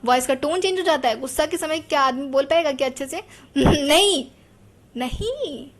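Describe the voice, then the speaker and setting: A woman's voice: high voice, fast talker. A woman gives a psychology lesson. She talks in a chatty way and keeps putting rhetorical questions to her students. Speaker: teacher.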